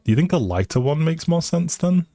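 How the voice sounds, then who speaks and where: A man's voice: fairly high pitch, sing-song, fairly quick, dark tone, no room sound, clean studio sound. A man chatting casually on a game stream, musing aloud over small choices and answering his viewers. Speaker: live streamer. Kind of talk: casual chat while playing a building game on stream.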